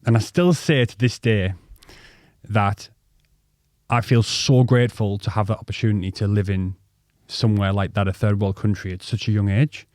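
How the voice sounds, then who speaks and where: Casting: North East English man, thirties, low-voiced podcast co-host, rambling, sweary, dry close sound. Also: steady tone, normal speed, a little mellow, no room sound. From North East England. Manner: rambling, swears freely, many ums and restarts. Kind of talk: casual storytelling chat.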